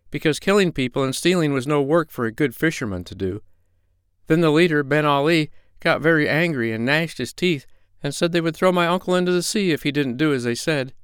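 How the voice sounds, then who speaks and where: A man voicing a frightened, polite little boy in a storybook, in a high, childlike, pleading voice. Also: fairly bright tone, clean tone, no room sound, clean studio sound, close to an everyday voice.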